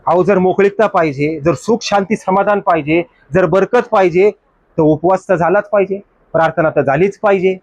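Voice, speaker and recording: High-pitched man preaching a sermon. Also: moderate pace, a little mellow, no echo, muffled recording. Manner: exhorting, rhetorical questions, mimics excuses. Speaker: pastor.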